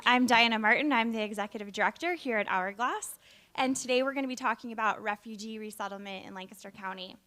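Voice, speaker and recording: A woman with a somewhat high voice speaks as the host of a forum. She delivers prepared opening remarks in the style of an event welcome and introduction. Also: quick pace, bright, forceful tone.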